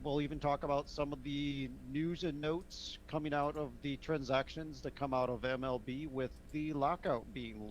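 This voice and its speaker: A man co-hosting a casual sports podcast, relaxed and halting, with lots of fillers. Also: mid-range voice, a little hiss or hum, low-quality recording. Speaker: podcast co-host.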